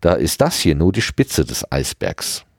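A man reading aloud and voicing a calm, matter-of-fact young man. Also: extremely low pitch, a little slow, vocal fry, dry recording, studio quality, heavily acted.

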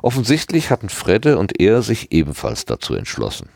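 A man narrating a novel as an audiobook reader in a calm, even storytelling manner. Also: fairly low pitch, normal speed, creaky, no room sound, clean studio sound. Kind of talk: scripted narration.

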